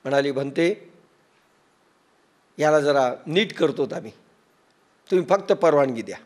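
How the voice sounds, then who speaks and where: A man with a Marathi accent gives a sermon in a fairly high voice. He tells stories, acts out quotes and uses everyday examples to make his point, and chants scripture verses slowly. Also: expressive. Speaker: spiritual teacher.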